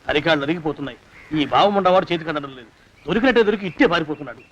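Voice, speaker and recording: A man playing a hurried, grumbling film character. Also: on the high side, animated, lightly acted, poor audio. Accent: Telugu. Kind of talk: film dialogue. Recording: film soundtrack with crowd behind.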